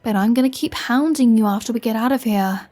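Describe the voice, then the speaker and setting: A woman's voice: a little high, fairly quick, a little mellow, soft background music, lightly acted. A woman playing a flirty, sardonic vampire in an ASMR roleplay, teasing and sarcastic with a playful threat. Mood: sardonic, scheming. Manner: teasing, sarcastic, conversational with sighs. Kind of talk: ASMR roleplay audio drama.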